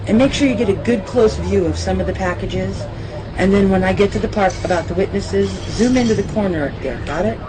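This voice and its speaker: A woman's voice: medium pitch, fairly quick, over music, close to an everyday voice, low-quality recording. A woman playing a determined TV news reporter. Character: determined young female TV reporter, suspicious. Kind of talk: amateur radio drama acting.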